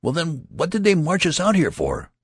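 A man's voice: fairly low pitch, big pitch swings, normal speed, husky, no echo, clean studio sound, pitched above the performer's own voice. A man reading aloud voices an impatient young soldier who complains in agitated outbursts. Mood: indignant.

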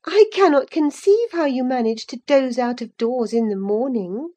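A woman's voice: moderate pace, dark tone. A woman reading a novel aloud, voicing a spirited, impatient young woman in a raised, insistent tone. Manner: high, eager and insistent. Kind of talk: audiobook character voice.

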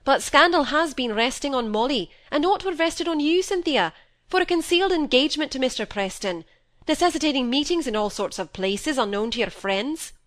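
A woman's voice: a little high, expressive, brisk, few pauses, voice pushed up, lightly acted. A woman reading as a stern doctor father. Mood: reproving. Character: stern middle-aged male doctor and father.

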